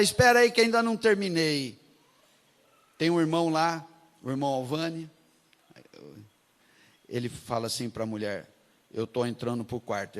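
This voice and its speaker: A man preaching a sermon, telling stories and acting out the voices of the people in them, often dropping to a soft, low voice. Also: in a large hall. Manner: storytelling, acts out quoted voices, often drops to a soft low voice.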